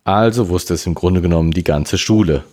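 A man voicing a calm, level-headed teenage boy who reasons things through, in an audiobook reading. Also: low-pitched, fairly quick. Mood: thoughtful.

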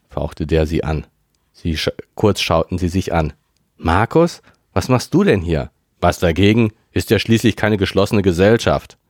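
A man's voice: low voice, darkish tone, no room sound, studio quality. A man reading a youth novel aloud for a podcast, in an unpolished way, stumbling and correcting himself. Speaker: reader, podcast host.

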